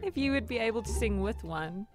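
A woman's voice: fairly high pitch, expressive, fairly quick, over music. A woman co-hosting a radio show, bantering casually in a blunt, teasing, protesting way.

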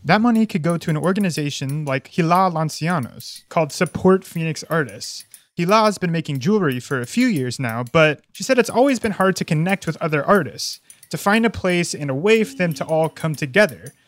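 A man narrating a news feature as a reporter, steady and measured. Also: fairly high pitch, dry recording.

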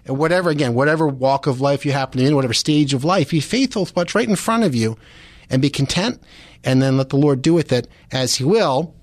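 A man's voice: mid-range voice, fast, no echo. A man hosting a Christian talk radio show, speaking conversationally in an earnest, encouraging, explanatory way. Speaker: radio host.

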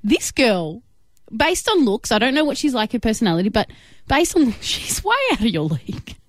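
A woman's voice: fairly high pitch, very animated, moderate pace, dry recording, studio quality. A woman hosting radio, bantering casually in a teasing, mock-earnest manner. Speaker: radio host. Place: radio studio.

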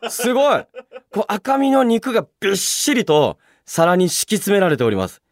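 A man hosting a casual solo radio show, chatting and reading out listener mail in a polite but chatty, animated way. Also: high voice, moderate pace, no room sound, clean studio sound. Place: radio studio, dry sound.

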